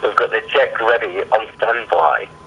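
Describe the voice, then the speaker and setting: A man with an English accent at a fairly slow pace, over noticeable background noise. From England. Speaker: prank caller. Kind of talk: phone call confrontation. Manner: formal; aggressive.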